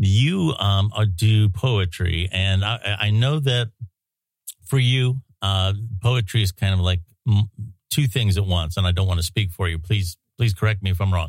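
The voice is somewhat breathy, with ordinary pitch variation and very even loudness. It moves at a fairly slow pace with long, frequent pauses. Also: man, fairly low pitch for a man. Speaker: podcast host. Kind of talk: live interview and commentary. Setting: online live audio space.

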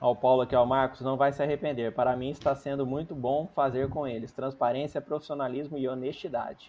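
A man talks at a fairly quick pace with hardly any pauses. His medium-pitched voice keeps a monotone, flat intonation. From Mato Grosso, Brazil. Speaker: live stream co-host, citizenship advisor. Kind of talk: casual chat.

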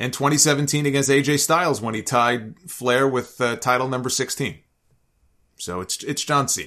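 Against a quiet background, a man with a bright, sharp tone talks at medium pitch and a moderate pace, with ordinary pitch variation. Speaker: wrestling podcaster. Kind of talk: solo commentary podcast. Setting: livestream.

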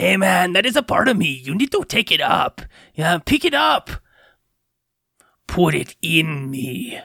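A raspy, put-on character voice at a middle pitch, fairly slow in pace, with long, frequent pauses. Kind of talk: comic improv. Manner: aggressive, crude, slangy.

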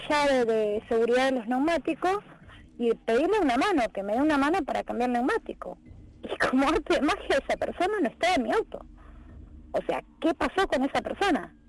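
With music in the background, a woman speaks in a Rioplatense accent at a moderate pace. Her high voice swings very widely in pitch. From Argentina. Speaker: radio caller. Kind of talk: personal story. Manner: halting.

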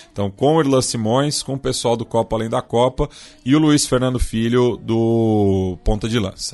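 Music is playing in the background. Over it, a man speaks at a moderate pace. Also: medium pitch for a man, ordinary pitch variation. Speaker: podcast host. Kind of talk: news commentary.

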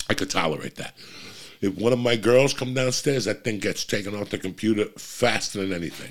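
A man with a New Jersey accent and a fairly low pitch speaks at a fairly quick pace in an animated tone, with ordinary pitch variation. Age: 50s. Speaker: comedian and podcast host. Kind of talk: casual chat. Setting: home studio.

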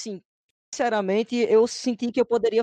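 Recorded with a dry, close sound and no echo, a man speaks in a high voice with a dark, mellow tone and ordinary pitch variation. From Brazil, Paraíba. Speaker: musician and activist. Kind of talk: casual interview chat.

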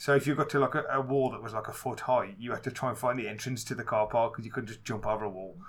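Barely pausing, a man speaks at a very fast pace in a somewhat breathy voice. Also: medium pitch for a man. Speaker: podcast host. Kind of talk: casual chat. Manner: animated.

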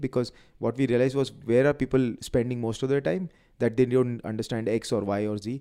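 A man with an Indian accent, medium pitch, a dark, mellow tone and ordinary pitch variation. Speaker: startup founder and CEO. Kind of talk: podcast interview. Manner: fast talker.

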